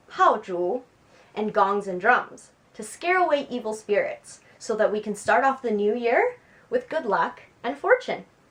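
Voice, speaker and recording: A woman with a plain, everyday voice, fairly high in pitch, at a fairly slow pace with lively intonation. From Canada, Edmonton. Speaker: storyteller and educator. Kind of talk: storytelling for children.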